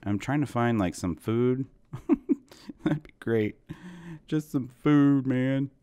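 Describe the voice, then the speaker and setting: For his gaming channel, a man in his thirties plays Minecraft and rambles casually to viewers, poking fun at himself while he's a bit sick and his voice is going hoarse. He speaks slowly at medium pitch with a warm, smooth tone, in a dry recording.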